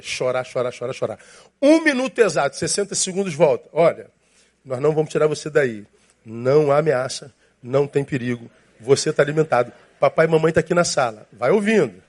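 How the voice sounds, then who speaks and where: Pastor brasileiro animado de voz aguda. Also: male voice, a little high. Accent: Brazilian Portuguese. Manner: lively, acts out scenes, colloquial. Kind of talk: sermon.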